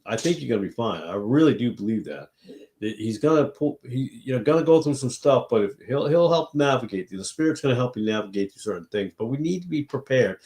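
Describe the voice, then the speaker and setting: A man's voice: mid-range voice, a little mellow. A man hosting a late-night Christian livestream, congested and tired, rambling with many fillers and restarts.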